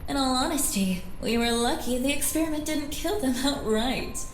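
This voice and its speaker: A woman's voice: sits high, expressive, moderate pace, slight background noise. An actress playing a cool, sinister woman scientist in an audio drama, poised, clinical and condescending. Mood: coolly pleased. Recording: roomy sound with faint ambience.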